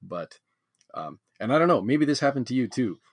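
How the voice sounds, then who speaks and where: A man's voice: medium pitch, sing-song, normal speed, no echo. A man hosting a casual podcast conversation who rambles tentatively, with many fillers.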